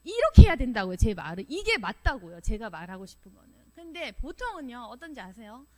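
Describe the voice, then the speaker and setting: A woman's voice: a little high, sing-song, quick pace, warm tone. A woman pastor preaching a sermon, direct and emphatic, who acts out dialogue in changing voices as she addresses the congregation. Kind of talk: sermon at a Friday prayer meeting.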